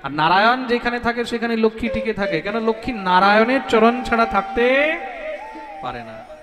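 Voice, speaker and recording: A man giving a devotional discourse, chanting verses slowly and calling out questions to his listeners. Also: high-pitched, very animated, big-room sound. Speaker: Bhagwat preacher.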